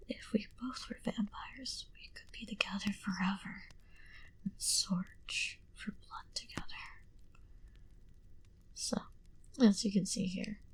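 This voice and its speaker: A woman playing a wistful female vampire in an ASMR roleplay, confiding her backstory in an intimate, breathy whisper. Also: mid-range voice, heavily acted, rough recording. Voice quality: breathy, mostly unvoiced whisper. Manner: slow, intimate, confiding delivery.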